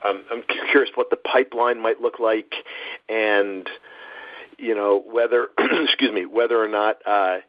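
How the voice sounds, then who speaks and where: A man with a lowish voice on dull, dry call audio. He is an analyst posing questions, stopping and restarting his phrasing as he feels his way along. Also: no echo. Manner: halting, rephrases questions mid-sentence. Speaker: financial analyst asking questions.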